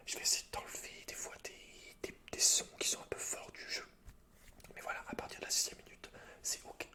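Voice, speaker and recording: A man hosts an ASMR gaming video entirely in a whisper. His delivery is breathy and unvoiced, with a soft, informal intimacy, as if addressing one listener directly. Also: fairly quick. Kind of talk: whispered ASMR, chatting and reading game lore aloud.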